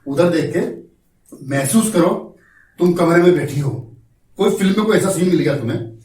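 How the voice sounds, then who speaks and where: A man teaching an acting class, explaining slowly, coaxing his students and acting out examples himself. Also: on the high side, lively intonation, darkish tone. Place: acting class room, indoors. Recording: roomy echo from far off, faint noise.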